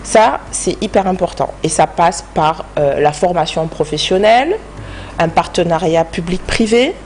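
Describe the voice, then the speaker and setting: A woman's voice: fairly low pitch, animated, measured pace, a little mellow, slight background noise. A woman from France with a French accent, answering as an expert guest in a studio interview in a structured, explanatory way. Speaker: guest expert, human resources director.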